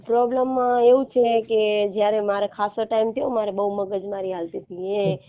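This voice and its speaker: A woman in her thirties from Gujarat with a Gujarati accent, explaining haltingly and repetitively as a caller seeking help. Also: mid-range voice, steady tone. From Gujarat, India. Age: 30s. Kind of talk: casual phone conversation. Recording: narrow, muffled phone-call line.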